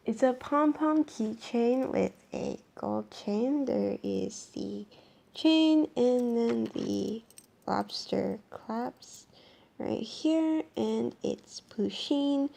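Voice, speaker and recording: Young Canadian woman vlogging at home into a camera, hoarse, mellow-toned, rambling. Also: fairly high pitch. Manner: rambling, lots of ums and restarts. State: hoarse, voice worn from shouting. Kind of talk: casual show-and-tell vlog.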